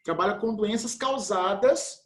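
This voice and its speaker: A man's voice: sits high, a little slow. A man teaching a biology class in a casual, slangy way. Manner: casual, slangy, says "velho" and "pessoal". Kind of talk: remote class, chatty explanation. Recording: echoey room.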